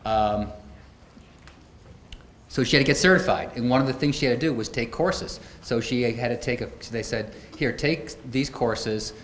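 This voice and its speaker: At a conference podium, a middle-aged man gives his keynote in a mid-range, somewhat bright voice at normal speed. His storytelling is conversational and dotted with dry asides, and the podium microphones record him in a reverberant hall with faint noise.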